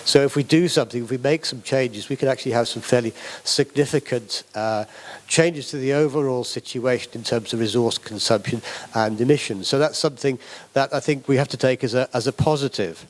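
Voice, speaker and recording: A man's voice: mid-range voice, a little fast. A middle-aged British man from the UK giving a public talk as an academic speaker, with many fillers and restarts. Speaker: academic speaker on wood construction.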